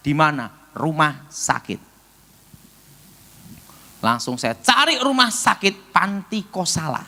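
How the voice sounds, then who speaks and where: A man, an evangelist telling a sermon testimony, acting out dialogue and shouting prayers. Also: on the high side. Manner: animated storytelling, acts out dialogue, shouts prayers.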